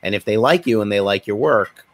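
A man's voice: fairly low pitch, fairly quick, no echo. Discursive man on a dry, close recording. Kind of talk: casual podcast conversation.

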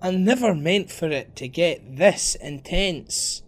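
A woman voicing a married male vicar, a smooth-talking and apologetic lover in an audio drama. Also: fairly low pitch, animated, slow. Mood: apologetic, defensive.

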